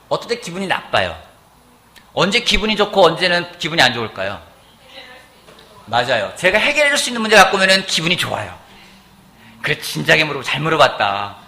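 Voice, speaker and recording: A middle-aged man preaching a sermon as pastor in a church, animated and often asking the congregation questions. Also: a little high. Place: church sanctuary.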